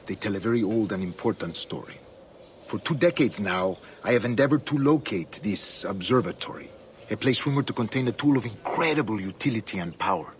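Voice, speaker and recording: A man's voice: fairly low pitch, lively intonation, brisk, noisy background, close to an everyday voice. A man playing a scheming governor. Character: scheming older male Templar governor. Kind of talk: video game cutscene acting. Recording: game audio over music.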